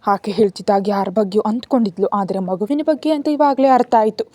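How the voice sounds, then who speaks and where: A woman narrating a serialized story in a steady, even storytelling manner. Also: medium pitch, fairly quick, no echo.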